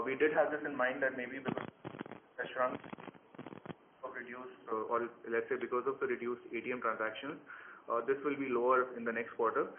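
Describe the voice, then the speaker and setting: The voice is a mid-pitched man with an Indian accent. He presents business results in a measured, explanatory corporate way, as a bank executive would. It comes through a narrow telephone line with some faint noise behind it. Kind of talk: business presentation on an earnings call. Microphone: phone conference call. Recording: tinny, echoey conference phone line with noise.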